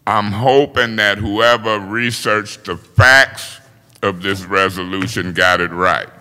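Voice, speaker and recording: Man, council president, folksy and informal, bright and crisp voice, long reverb of a council chamber. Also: on the low side, steady tone, slow. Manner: informal, folksy speech with plain talk. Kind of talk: chairing a city council meeting.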